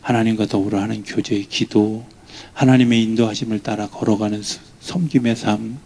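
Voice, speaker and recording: A male pastor preaching a midweek sermon in a church. His voice is mellow and warm, and he swings between soft asides and loud, high bursts as he acts out quoted lines. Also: fairly even intonation, moderate pace.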